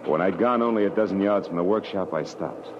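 An actor playing a tough, wry private eye in a 1940s radio detective drama, clipped, commanding and sardonic. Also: male voice, low voice, brisk, natural voice. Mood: grim, brooding. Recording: muffled old radio recording, clear hiss.

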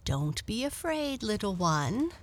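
A woman's voice: mid-range voice, big pitch swings, slow, voice pushed up. A woman voicing a brave female black cat who talks firmly but kindly. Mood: surprised.

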